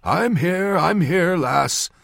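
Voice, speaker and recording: A man voicing a reassuring old ship's surgeon in an audiobook, talking loudly and briskly to his patient. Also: high-pitched, lively intonation, creaky, no room sound, studio quality, voice pushed up, heavily acted. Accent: northern. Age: older. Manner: loud, reassuring, brisk bedside talk. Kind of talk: audiobook character voice.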